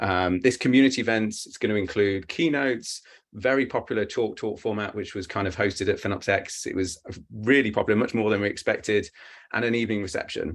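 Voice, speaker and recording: A man with a fairly low voice talks at a very fast pace, with ordinary pitch variation over a quiet background. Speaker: community event host. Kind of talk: event hosting announcements.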